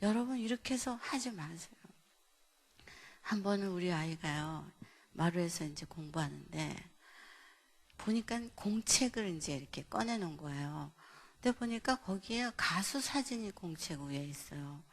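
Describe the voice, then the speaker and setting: A middle-aged woman pastor gives a sermon at an evening family meeting, telling stories and acting out the people in them with big swings in loudness. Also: fairly low pitch, moderate pace. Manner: animated storyteller, acts out dialogue with big swings in loudness. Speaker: pastor and seminar speaker. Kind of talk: sermon with storytelling. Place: church hall at an evening revival meeting.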